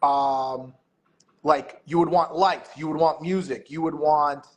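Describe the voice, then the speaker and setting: A man's voice: fairly high pitch, fairly even intonation, takes it slowly. A man talking casually as a podcast guest, rambling with lots of filler words. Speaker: guest, meet director and MC.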